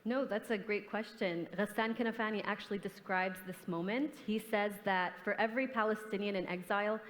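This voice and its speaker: A woman's voice: medium pitch, brisk. A young woman, an artist, answering on a forum panel in an earnest, reflective, impassioned way. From grew up in the US and Canada. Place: large conference hall. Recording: hall reverb, stage mic.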